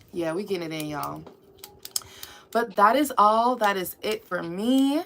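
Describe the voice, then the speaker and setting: Against noticeable background noise, a woman at a medium pitch talks at a moderate pace, her loudness swinging widely. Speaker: livestreamer. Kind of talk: casual live-stream chat. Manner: occasional hesitations and stumbles over words.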